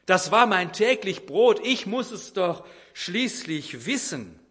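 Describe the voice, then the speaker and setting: A man putting on a pompous, easily offended husband who lectures and blusters at his wife. His voice is loud and lifted above normal speech, full of self-importance. It is acted out as an everyday example in a sermon. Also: sits high, lively intonation, takes it slowly, voice pushed up, full character voice. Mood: boastful. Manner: condescending, blustering. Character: pompous, touchy know-it-all husband.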